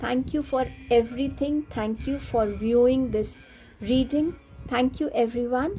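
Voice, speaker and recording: A woman speaks in a high voice at a fairly slow pace, with ordinary pitch variation. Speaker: tarot reader. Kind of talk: tarot reading video.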